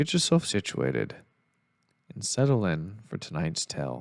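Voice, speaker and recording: Vocal fry runs through a man's voice as it makes very wide pitch swings at a fairly slow pace. The recording is very clean with a silent background. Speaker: amateur narrator. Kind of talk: casual podcast intro.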